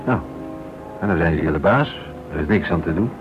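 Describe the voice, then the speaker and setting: A man's voice: sits low, animated, fairly quick, music in the background. An actor playing a cautious, resigned man on the defensive in a Dutch radio play. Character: cautious, resigned man accepting the occupiers' rule. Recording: muffled old radio recording.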